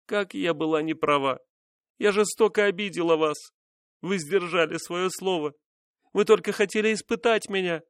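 A man's voice: sits high, normal speed, clean tone, no echo, clean studio sound, pitched above the performer's own voice, lightly acted. A man voicing a proud young royal mistress who pleads in tearful exclamations. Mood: pleading.

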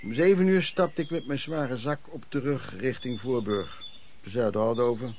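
A man's voice: medium pitch, a little slow, darkish tone, slight background noise, lightly acted. An actor playing a man who narrates his hard, hopeful youth as a street trader, in colloquial first-person radio play style. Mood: plain reminiscing. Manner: colloquial, storytelling, clipped phrases.

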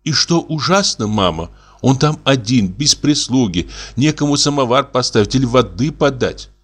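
A man's voice: mid-range voice, lively intonation, moderate pace, voice pushed up, natural voice. A man reading aloud and voicing a devoted young wife who speaks earnestly and pleadingly. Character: anxious devoted young wife, turning tearful.

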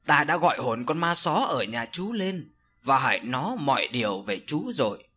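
A man voicing an older village sorcerer who speaks slowly and solemnly in an audio story. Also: medium pitch, big pitch swings, sharp tone, slightly rough, exaggerated voice. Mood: grave. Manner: slow, solemn, scolding. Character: older male village sorcerer, stern and grave.

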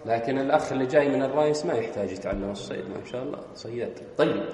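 A man teaching Islamic law, walking his students through each point and firing questions back at them. His voice rings out with heavy echo and a long reverb tail, over a faint steady hiss. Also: fairly high pitch. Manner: explanatory, quizzes students with questions. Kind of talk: classroom lesson. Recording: very echoey hall.

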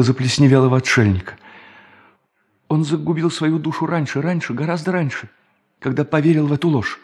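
An actor playing a tormented, self-loathing hermit preacher in a radio drama, declaiming theatrically and repeating words for emphasis. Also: male voice, a little high, natural voice. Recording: music behind the voice.

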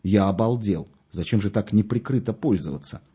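A man's voice: lowish voice, a little fast, dark tone, slightly rough, highs cut off. A man reading a first-person story aloud in a dry, ironic manner. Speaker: audiobook narrator.

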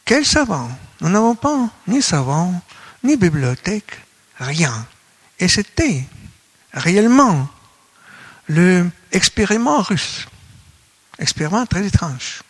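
A man from Russia with a Russian accent gives a conference lecture in non-native French, halting as he searches for words. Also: sits high, sing-song, husky. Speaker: academic speaker at a colloquium.

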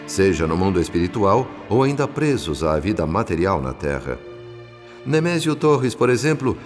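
Deep-voiced, solemn Brazilian narrator. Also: male voice. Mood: grave. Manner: solemn, literary, measured. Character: solemn, compassionate male spirit narrator of a radio drama. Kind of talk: scripted radio drama narration. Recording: long reverb, loud music behind. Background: music.

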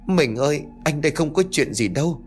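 A man voicing an anxious young husband trying to calm his wife, soothing and urgent. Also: on the high side, brisk, faint music behind, pitched above the performer's own voice, close to an everyday voice.

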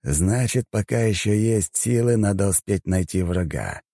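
Villain read by a male narrator: deep, slow, snarling and resentful. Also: animated, warm tone, dry recording, clean studio sound. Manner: slow, clenched, snarling delivery. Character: bitter, power-hungry villain man.

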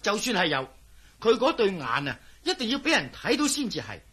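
An actor playing a jovial, skeptical police officer in a radio drama, speaking with a chuckling, doubting manner. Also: male voice, sits high, wildly swooping pitch, brisk, sharp tone, breathy edge, full character voice.

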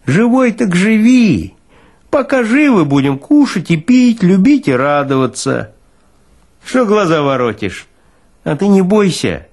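A man's voice: sits high, very animated, a little slow, a little mellow, pitched above the performer's own voice, heavily acted. A man voicing a folksy, philosophizing morgue orderly in a dramatized literary reading, insistent and colloquial in his exclamations. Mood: exuberant, preaching.

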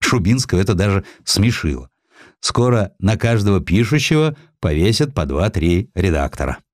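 A man reading historical essays as an audiobook narrator, in an expressive scripted storytelling style. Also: low-pitched, normal speed, dry recording, studio quality. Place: dry recording studio.

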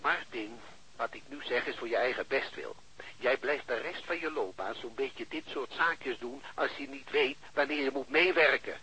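Very raspy, bullying police chief. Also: male voice, medium pitch, normal speed, heavily acted, low-quality recording. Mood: threatening. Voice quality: raspy, sharp. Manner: hectoring, insistent. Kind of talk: Dutch radio drama acting.

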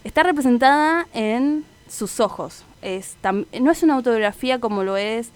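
A woman's voice: a little high, expressive, normal speed, clean tone. A woman hosting a radio show, chatting casually with many fillers and self-corrections. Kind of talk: casual radio chat about a TV series.

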